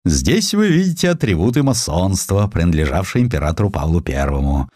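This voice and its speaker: Audio drama role: male actor as touchy, proud provincial merchant, old-fashioned ceremonious diction, very animated intonation. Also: low-pitched, a little fast, no echo, studio quality. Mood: proud, showing off. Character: aggrieved, proud provincial merchant collector showing off treasures.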